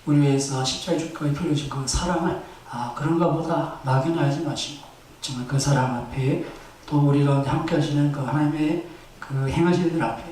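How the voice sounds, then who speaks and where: Pastor preaching in an echoey church. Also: male voice, a little high, fast talker, slight background noise. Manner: animated storytelling with exhortation. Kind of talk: Sunday sermon storytelling. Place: church sanctuary. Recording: echoey church hall, distant mic.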